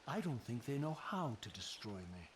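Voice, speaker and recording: An actor playing a proud, defiant undead wraith in a video game, with an eloquent, sardonic, theatrical delivery. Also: male voice, medium pitch, very animated, normal speed, roomy sound, recorded from a distance, slight background noise, natural voice. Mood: scornful, defiant. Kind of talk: dramatic video game voice acting.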